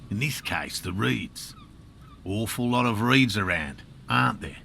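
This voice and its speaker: An actor voicing a patient, diligent middle-aged cryptozoologist in a video game, dry and a little sarcastic. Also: male voice, fairly low pitch, expressive, unhurried, vocal fry, pushed and bright, a little hiss or hum, heavily acted.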